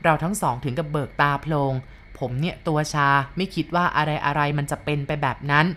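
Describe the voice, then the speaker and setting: Low-voiced woman reading a ghost story. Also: steady tone, brisk, a bit bright. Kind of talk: reading a first-person ghost story aloud.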